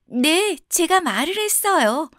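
A gentle, polite young snail spirit, played by a woman in a bedtime storybook reading. The voice sits well above the teller's own and sounds soft and coaxing. It is recorded close and dry, with no room around it. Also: very high-pitched, sing-song, slow pace, no echo, voice pushed up, exaggerated voice. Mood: sweet, polite. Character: sweet young female river snail spirit.

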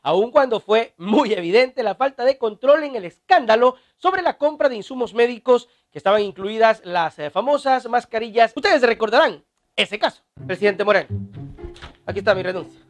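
A man's voice: very high voice, animated, normal speed. A man hosting a satirical news show, speaking in a mocking, slangy way. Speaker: host.

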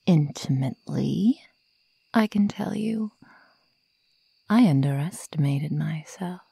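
A woman voicing a sadistic young female werewolf in a slow ASMR roleplay, whispery and breathy, taunting and menacing her prey. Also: sits low, warm tone, no echo, heavily acted. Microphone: close microphone, dry.

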